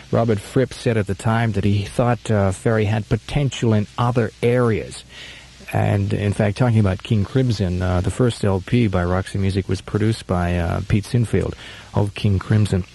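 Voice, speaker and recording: A man hosting a radio album show, giving measured, informative commentary between records. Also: fairly low pitch, gravelly, dark tone, husky. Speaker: radio host. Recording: slightly muffled archive radio aircheck.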